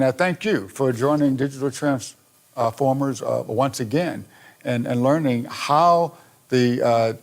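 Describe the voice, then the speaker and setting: A man hosting a video podcast interview in a conversational way, asking follow-up questions. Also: mid-range voice. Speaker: podcast host.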